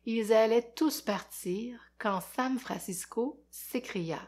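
Québécoise woman reading slowly to children. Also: on the high side. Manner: lively, rhythmic, asks children questions. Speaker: teacher and storyteller. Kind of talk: reading a picture book aloud to children.

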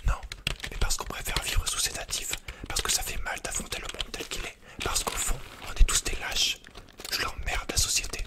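A young man playing a withdrawn, cynical young hacker in a hesitant, murmured ASMR roleplay. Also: lightly acted. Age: young adult. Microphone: close-up mic, seated at desk.

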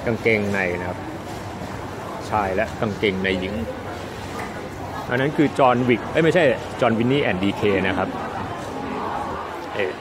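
A man's voice: fairly low pitch, lively intonation, moderate pace, long pauses. A man giving a chatty, polite walking tour of a crowded indoor market, recorded on a handheld phone camera. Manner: chatty, polite, points things out as he walks. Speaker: vlogger touring a fair. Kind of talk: casual walking tour commentary. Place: crowded indoor market hall under a big tent. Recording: loud crowd and noise behind.

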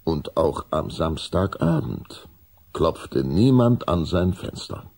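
Deep, gravelly male storyteller. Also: big pitch swings, takes it slowly, over loud music. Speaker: narrator. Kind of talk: scripted storybook narration for children's audio drama.

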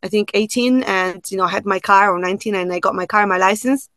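Italian woman, thirties, chatty guest on a video call, dead-dry close sound, middle pitch. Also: quick pace, fairly bright tone, no echo. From Italy. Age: 30s. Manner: chatty, many fillers and restarts. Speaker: podcast guest. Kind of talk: casual chat. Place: home room.

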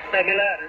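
A man from the Canary Islands with a Spanish accent and native Spanish, a radio operator repeating short phrases over a radio link. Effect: radio transmission. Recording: dull long-distance radio with faint static.

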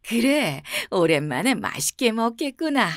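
A woman's voice: fairly high pitch, big pitch swings, measured pace, dry recording, studio quality. A woman voicing a stern, hot-tempered old mother in a bedtime storybook reading, talking in a scolding, suspicious way. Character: stern old village mother, quick to anger.

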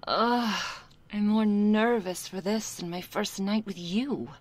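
Woman acting a husky, nervous young succubus, ASMR role-play. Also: mid-range voice, fairly even intonation, slow pace. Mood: sheepish, affectionate. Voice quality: soft, husky, breathy. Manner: hesitant, flustered, succubus-like soft intimate delivery. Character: nervous young female succubus, reluctant, sheepish, affectionate daughter.

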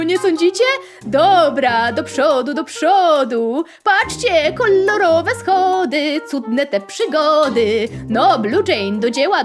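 A young woman hosting a playful gaming let's-play, bubbly and sing-song, rhyming and squealing at mishaps, with game music underneath. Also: sits high. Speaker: gaming channel host.

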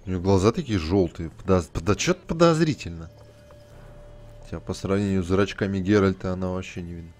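A man's voice: deep voice, a little fast, darkish tone. A man giving casual commentary while playing a video game, crude and mocking, swearing heavily. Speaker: gamer commenting on playthrough.

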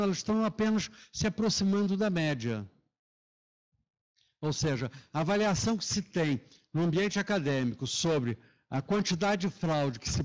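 A man from Rio de Janeiro with a Carioca accent and a hushing sh for s, giving a semi-formal academic lecture in Brazilian Portuguese. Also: high voice, low-quality recording. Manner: hushing sh sound for s. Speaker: lecturer, professor. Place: lecture auditorium.

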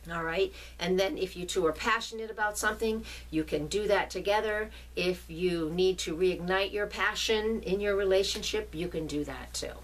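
A middle-aged astrologer with a New England accent talks casually in a lowish voice, often pausing to check in with her listeners. She sits a little back from the mic, so the voice sounds slightly distant. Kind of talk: casual forecast video.

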